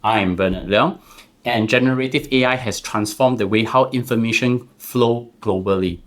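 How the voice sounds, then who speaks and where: A man's voice: mid-range voice, normal speed, a bit bright. A man hosting a business podcast, giving formal introductions and asking earnest questions. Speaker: podcast host.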